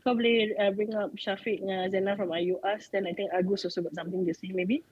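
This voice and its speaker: A woman's voice: medium pitch, steady tone, fast talker, darkish tone, husky, dry recording, dull audio. A woman with a Malay Southeast Asian accent in a casual online discussion, mixing slangy English with Malay and ending phrases on Malay tags. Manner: tags sentences with Malay particles.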